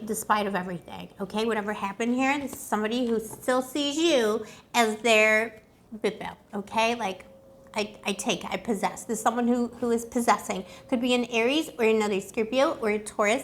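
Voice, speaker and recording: A woman's voice: a little high, fairly bright tone, slight background noise. A woman chatting casually through a love tarot reading as host, playful and rambling with affectionate pet names, her voice slightly strained as if she is losing it. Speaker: tarot reader and channel host.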